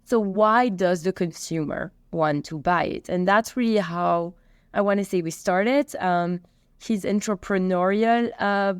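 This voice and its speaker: Woman, Belgian accent, thirties, chatty, animated, dry close sound. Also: medium pitch, measured pace, smooth, no echo. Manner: chatty, animated storytelling with restarts. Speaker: company co-founder and CEO. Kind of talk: conversational interview answers.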